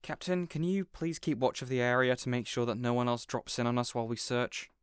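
A man's voice: medium pitch, a little fast, clean tone, no echo, studio quality, natural voice. A man playing a considerate, awkward supervillain boss in an audio roleplay, conversational and a bit hesitant. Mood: businesslike. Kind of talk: audio roleplay drama acting.

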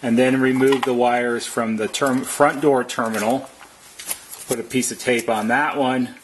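A man's voice: mid-range voice, steady tone, measured pace, slight background noise. A man narrating a step-by-step how-to as a technician, explaining plainly and methodically. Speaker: repair technician giving instructions.

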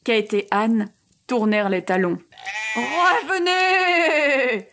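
Woman reading a fairy tale, slow gentle storytelling, fairly high voice. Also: slight background noise.

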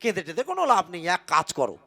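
A man voicing a sly, clever village husband in a comic folk puppet show, muttering quick asides to himself. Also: high-pitched, wildly swooping pitch, sharp tone, full character voice. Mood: scheming. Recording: tabla music behind. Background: tabla and folk music.

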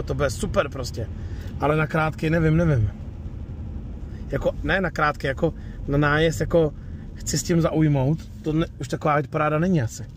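Over a noisy background, a man whose voice is on the high side hosts a laid-back car vlog. He chats through a walkaround outdoors at a used car lot, then inside the car on a test drive, regularly ending sentences with "jo."

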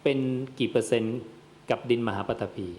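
A man's voice: fairly low pitch, steady tone, brisk, darkish tone, slight background noise. A man, a Buddhist monk, giving a dharma sermon to lay listeners and posing questions that he answers himself. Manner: addresses listeners as "yom", asks and answers his own questions.

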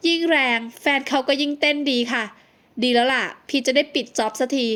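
A woman's voice: sits high, brisk, fairly bright tone. A woman reading an audiobook and voicing a proud young woman who answers in a coolly sarcastic way. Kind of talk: audiobook character dialogue.

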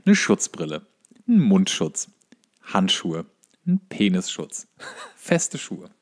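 A man's voice: low-pitched, wildly swooping pitch, slow pace. A man co-hosting a podcast, chatting casually and off the cuff in colloquial language. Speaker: podcast co-host. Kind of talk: casual chat.

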